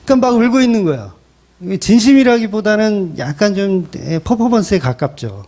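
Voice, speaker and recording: A man's voice: sits high, expressive, fairly quick, darkish tone. A middle-aged male pastor preaching a sermon in a conversational style, asking rhetorical questions. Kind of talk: expository sermon.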